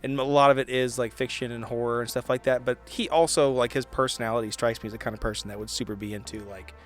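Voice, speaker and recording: A man chatting casually as he narrates his part in a tabletop roleplay, halting as he thinks aloud. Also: mid-range voice, fairly even intonation, soft background music. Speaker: podcast player.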